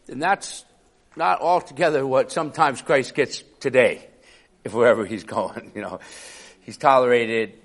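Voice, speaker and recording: Preaching a sermon conversationally, a man speaks in a mid-range voice made raspy and hoarse by a cough, adding chuckling asides.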